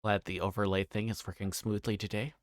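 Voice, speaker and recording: A man livestreaming, reading a visual novel aloud and chatting casually to viewers with halting, rambling asides. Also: lowish voice, level tone, dry recording, clean studio sound.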